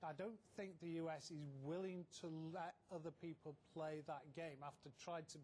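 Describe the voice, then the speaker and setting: High-pitched man on a rumbly line. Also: steady tone, moderate pace, darkish tone, a little hiss or hum. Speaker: market analyst guest. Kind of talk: live financial news interview.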